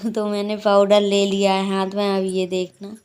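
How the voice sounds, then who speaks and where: A woman's voice: mid-range voice, completely flat delivery, normal speed, darkish tone, clear, resonant tone. A young woman vlogging at home at night, chatting and laughing as she tells what the kids are doing. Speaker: family vlogger. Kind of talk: casual vlog narration. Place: dark room at home at night. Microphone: phone on a tripod.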